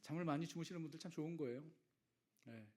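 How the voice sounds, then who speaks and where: A male pastor giving a Sunday sermon, swinging between loud exhortation and hushed, near-whispered lines, and acting out short quoted prayers. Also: fairly high pitch, fast.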